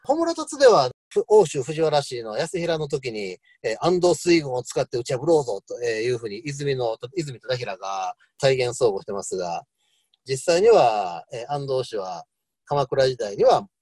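A man giving an online history lecture, talking in a loose, rambling way full of fillers and lively asides. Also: medium pitch, moderate pace, dry recording.

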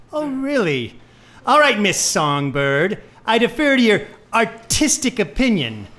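A bitter male jazz bandleader, played by an actor in an old-time radio play. His delivery is sneering and sarcastic, with pitch that swings widely through every hostile line. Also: big pitch swings, a little slow, bright, forceful tone, exaggerated voice. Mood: sneering, angry.

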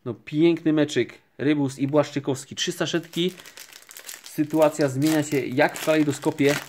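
A man giving calm, unhurried commentary while opening sticker packs, naming each card as it appears. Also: fairly high pitch, a little hiss or hum. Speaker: card collecting vlogger. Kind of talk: casual pack-opening commentary. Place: indoors at a table, camera overhead on hands.

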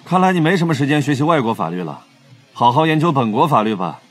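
A man's voice: medium pitch, very animated, quick pace, breathy edge, faint music behind. An actor playing a cocky, teasing young male police detective in an audio drama. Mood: mocking.

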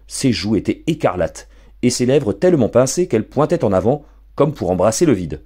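A man narrating a storybook for an audiobook in an expressive, theatrical way. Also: mid-range voice, moderate pace, husky. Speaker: audiobook reader.

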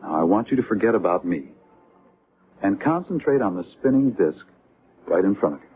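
An actor playing a probing, eager hypnotist doctor in a radio drama. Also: male voice, lowish voice, animated, fairly quick, husky. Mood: calm, hypnotic. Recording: noisy, tinny old radio broadcast.

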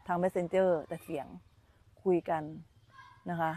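A woman's voice: on the low side, little pitch movement, takes it slowly, mellow, slight background noise. A woman meditation teacher giving an informal dharma talk on a live stream, chatty and repeating her phrases as she talks with children around her.

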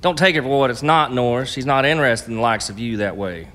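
An actor playing a surly, protective frontier brother in a radio drama, blunt and stern. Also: male voice, medium pitch, fast talker, a bit bright, natural voice. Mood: disapproving. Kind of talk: stage-like radio drama acting.

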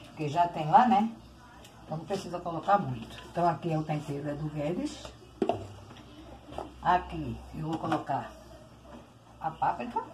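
Low-voiced older Brazilian woman, noisy kitchen. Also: animated, moderate pace, pauses often. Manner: chatty, addresses viewers often, uses diminutives. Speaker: home cooking vlogger. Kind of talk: casual cooking demonstration. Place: home kitchen, indoors. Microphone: phone on tripod, short distance. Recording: noisy kitchen with clattering dishes.

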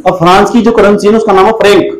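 In an echoey room, a high-voiced man teaching an exam-prep class drills each point repeatedly, fires questions at students and scolds those who don't follow. His tone is steady and his delivery rapid-fire.

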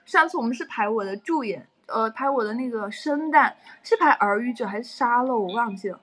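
A woman's voice: on the high side, animated, a little fast, fairly bright tone, breathy edge. A young adult woman chatting casually on a livestream and telling stories animatedly with frequent laughs.

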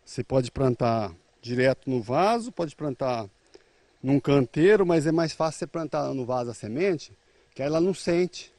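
A man's voice: mid-range voice, lively intonation, normal speed, a little mellow, no room sound. A man in his thirties from Brazil, a rural producer plainly explaining how to plant, speaking outdoors into a reporter's handheld mic. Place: outdoor garden.

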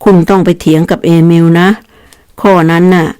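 Brief: a narrator doing a genial old professor, drawling and lecturing, smooth clear tone. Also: mid-range voice, steady tone, normal speed, dark tone, no room sound, lightly acted. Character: older male professor, genial and opinionated.

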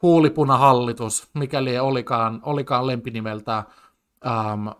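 A man's voice: mid-range voice, fairly even intonation, fairly bright tone, smooth. A man commenting on a TV debate in casual speech, agitated and full of stammered restarts and fillers. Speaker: commentator reacting to a TV debate clip.

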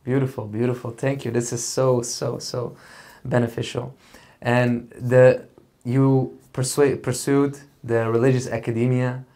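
Young host with eager affirmations. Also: male voice, medium pitch, flat delivery, unhurried, mellow. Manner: supportive, frequent affirmations. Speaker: podcast host. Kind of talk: interview questions. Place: small studio set with plants. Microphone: desk mic on stand.

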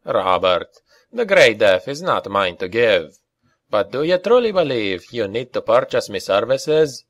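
A man voicing a calm, wry Scottish mercenary with a lilting burr in an audiobook. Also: medium pitch, unhurried, no room sound, clean studio sound. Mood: reasonable, firm.

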